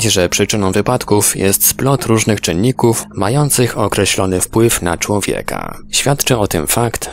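Low, lively male narrator with gravelly edge. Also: slight background noise. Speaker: narrator reading articles. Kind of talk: scripted documentary narration. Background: background music.

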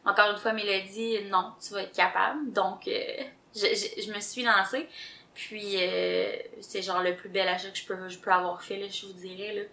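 A woman's voice: medium pitch, level tone, normal speed, pushed and bright. A woman with a Québécois French accent co-hosting a knitting podcast in casual chat, hesitant and stumbling over her words but enthusiastic. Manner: hesitant, many fillers and restarts, enthusiastic. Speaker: podcast co-host. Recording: roomy echo.

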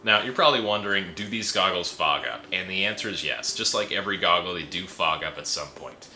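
Low, sharp-voiced young man reviewing gear. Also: a little fast, faint music behind. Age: young adult. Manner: chatty, easygoing, with frequent fillers. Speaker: product reviewer. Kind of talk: casual product review. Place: indoor room with a pegboard wall. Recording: roomy echo.

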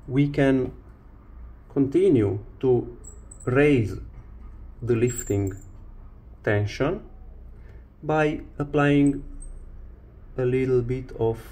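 A man presenting a hands-on repair tutorial, explaining step by step in short, halting phrases. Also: medium pitch, a little mellow. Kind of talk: hands-on instructional demonstration.

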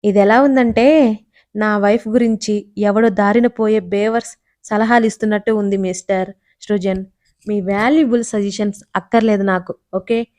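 A woman's voice: medium pitch, steady tone, moderate pace, darkish tone, no echo, lightly acted. A woman reading the lines of a confident, teasing young husband who talks coolly and pointedly. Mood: cool, mocking. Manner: cool, mocking, pointed.

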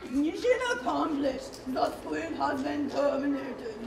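A woman's voice: sits high, takes it slowly, a crowd in the background. A woman puppeteer voicing a laid-back, slangy zooplankton leader in a live puppet show. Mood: proud. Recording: roomy hall, from far off.

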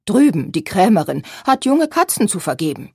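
A woman's voice: medium pitch, sing-song, moderate pace, husky, no echo, clean studio sound. A woman reading a scolding old grandmother. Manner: agitated, scolding. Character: scolding old grandmother, loud and sharp-tongued.

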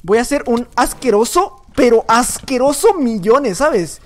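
A young man giving excitable gameplay commentary at home, chatting nonstop, repeating words and breaking into shouts. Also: very high voice, unhurried. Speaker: gaming YouTuber. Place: at home at night.

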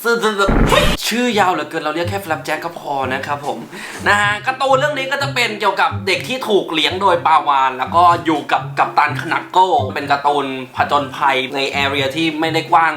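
A man's voice: a little high, bright, forceful tone. A man hosting a casual countdown commentary, mixing English words into his talk. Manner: mixes English words into Thai. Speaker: YouTube host counting down favourite cartoons. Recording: roomy echo, music behind. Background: background music.

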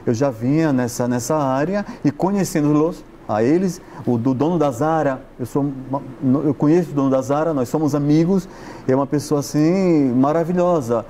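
This guest, a fashion stylist from Brazil in his forties, chats casually on a TV studio sofa, wearing a lapel mic, gesturing as he talks and often adding tag questions. His voice is on the high side yet dark in tone, with a little hiss or hum.

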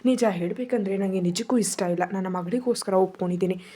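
A woman voicing a stern middle-aged father in a storybook reading, speaking flatly and without feeling. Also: medium pitch, fast, lightly acted. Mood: grave. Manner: flat, emotionless.

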